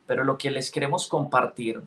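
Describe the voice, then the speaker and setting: A man co-hosting a Christian teaching program, speaking in a calm, affirming way. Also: medium pitch, a little fast. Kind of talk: Christian teaching, conversational sermon.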